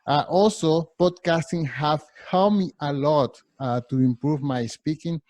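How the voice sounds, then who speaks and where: A middle-aged man with a Spanish accent gives a workshop talk over a video call. His voice sits a little high and the sound is dry and close. He stumbles and restarts often, with plenty of fillers. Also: a little mellow, no room sound. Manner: halting, many restarts and fillers. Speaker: workshop presenter.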